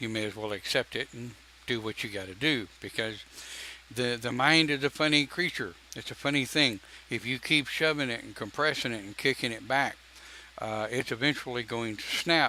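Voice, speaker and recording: This man has a plain, everyday voice of medium pitch with ordinary pitch variation. He keeps a moderate pace while his loudness swings widely. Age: 50s. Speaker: pagan church chat host. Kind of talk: casual talk show monologue. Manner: conversational, casual.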